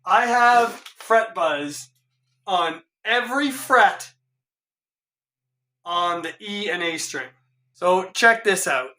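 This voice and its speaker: A middle-aged man with a hoarse voice, a guitar tech in a casual vlog, puzzled and exasperated as he thinks aloud in his home workshop. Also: high voice, expressive, takes it slowly, long pauses, pushed and bright. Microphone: camera a few feet away.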